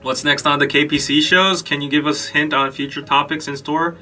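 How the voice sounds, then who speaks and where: A man's voice: fairly high pitch, little pitch movement, moderate pace, bright, forceful tone, recorded from a distance, faint music behind. A young man from Korea hosting a live podcast stream, chatting casually with lots of fillers and restarts. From South Korea. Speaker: podcast host. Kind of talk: casual live-stream chat and news reading.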